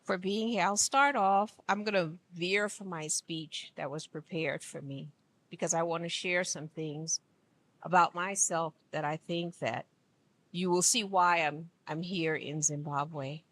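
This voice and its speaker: A woman from Liberia giving an earnest, emphatic speech at an event, speaking slowly. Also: lowish voice, a bit bright, poor audio. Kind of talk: formal public speech. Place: conference room.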